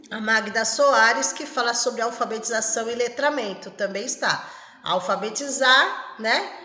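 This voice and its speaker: A woman's voice: on the high side, bright, forceful tone. A woman teacher with a Brazilian Portuguese accent giving an exam-prep lecture, explaining step by step and checking in often with "tá?" and "ok?". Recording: echoey room with long reverb.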